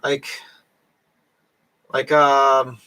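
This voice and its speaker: A drunk man talking on a late-night live stream from home in Japan, rambling and halting, with lots of fillers and restarts and a voice that is starting to go hoarse. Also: mid-range voice, monotone, sharp tone, low-quality recording. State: voice going hoarse.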